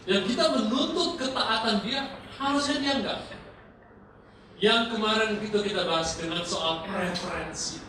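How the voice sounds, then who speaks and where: A man leading a church parenting seminar, lively, acting out parent and teen exchanges and dropping in English phrases. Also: sits high. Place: large church hall. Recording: echoey hall, voice far from mic, noisy.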